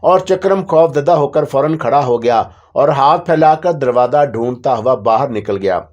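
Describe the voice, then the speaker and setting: A man reading a scripted horror story in a steady, dramatic way. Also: fairly high pitch.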